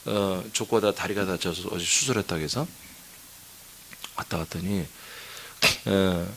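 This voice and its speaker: Male pastor, dawn sermon, low voice, chatty storytelling, scolding with humor. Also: a bit bright, a little hiss or hum. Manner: asks the congregation for answers. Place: church sanctuary.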